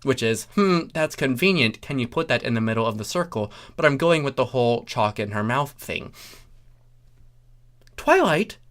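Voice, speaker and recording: A man's voice: mid-range voice, expressive, fairly quick, hardly any pauses, a bit bright. A man reading a comic story theatrically, in a wry, informal manner with dramatic delivery and offhand asides. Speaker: reader of comic fan fiction.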